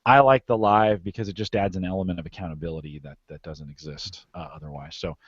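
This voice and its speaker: Man, podcast guest, lower pitch, conversational, explanatory, repeats for emphasis, lo-fi online call sound. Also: steady tone, quick pace, breathy edge, dry recording. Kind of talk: conversational interview about podcasting. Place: live video call. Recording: dull lo-fi online call audio.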